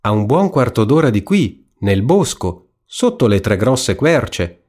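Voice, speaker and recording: A man voicing an innocent little girl in a red hood in a spoken storybook, high and wide-eyed. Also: very animated, slow, a little mellow, husky, exaggerated voice.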